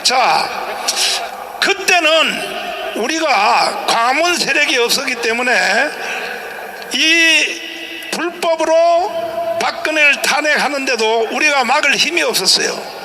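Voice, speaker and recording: A man's voice: extremely high pitch, lively intonation, slow, sharp tone. A male pastor hosting a political rally talk, blunt and haranguing, firing leading questions at his guest. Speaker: host, pastor.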